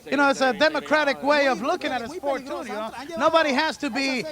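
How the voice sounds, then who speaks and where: A man calling a wrestling match play-by-play as a lucha libre announcer, with an excitable manner. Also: very high voice, quick pace, a crowd in the background.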